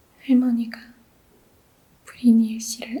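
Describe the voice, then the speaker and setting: A soft-spoken woman whispers in a soothing tone. There is noticeable background noise. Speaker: actress, regular book-reading narrator. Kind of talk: whispered book reading for ASMR. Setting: studio ASMR recording. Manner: whispered, soft, soothing.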